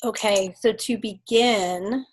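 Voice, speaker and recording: A woman's voice: mid-range voice, slow pace, slightly rough. A woman hosting an online video call, welcoming attendees by name, her voice slightly scratchy from a cold. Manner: warm welcoming, reads out chat names. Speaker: host, life coach.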